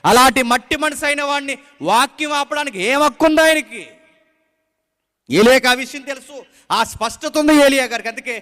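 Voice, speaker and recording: A man's voice: extremely high pitch, normal speed, pushed and bright. A man preaching a sermon, emphatic and full of rhetorical questions, in a church. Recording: long church-hall reverb.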